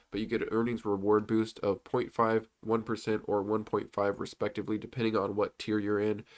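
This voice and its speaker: Man, young adult, low voice, congested, casual rambling commentary, fillers and restarts. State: congested from a cold. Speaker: stock commentary YouTuber. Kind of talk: casual commentary over on-screen slides.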